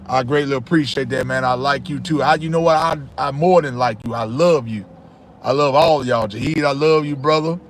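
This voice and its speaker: A livestream host in his 30s from Charlotte, North Carolina, chats casually with viewers, reading comments and often repeating himself. His mid-range voice moves at a moderate pace, with slight background noise.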